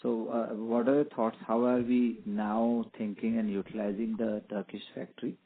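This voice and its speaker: Man, lowish pitch, financial analyst, polite halting questions, phone-band audio, faint noise. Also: little pitch movement, narrow, tinny audio. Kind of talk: earnings call questioning.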